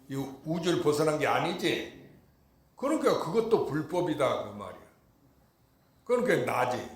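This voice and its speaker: A Buddhist monk giving an emphatic Dharma talk, often asking listeners if they understood. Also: male voice, mid-range voice. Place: temple dharma hall. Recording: echoey hall.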